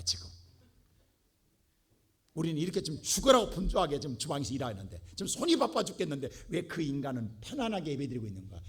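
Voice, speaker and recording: In a church sanctuary, a male pastor delivers a Korean church sermon, dramatically voicing biblical figures. He swings between quiet, low asides and loud, impassioned bursts, with a breathy edge to his voice.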